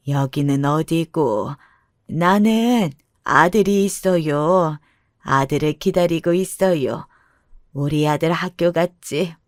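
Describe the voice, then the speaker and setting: A frail old widow from a narrated family story, acted out by a woman. She talks bluntly and roughly, like a muddled mother who has lost too much. The sound is dry and close. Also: lowish voice, no room sound. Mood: confused, wistful. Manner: slow, rough-tongued old woman's speech. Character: frail, bereaved elderly mother-in-law, blunt and confused.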